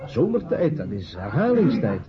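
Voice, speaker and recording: A man's voice: mid-range voice, wildly swooping pitch. A muffled radio drama recording with crowd murmur. a diplomatic, formal financier, polite and careful, his intonation rising and falling freely. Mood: sceptical. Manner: polite, measured, tactfully hesitant. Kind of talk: Dutch radio drama acting.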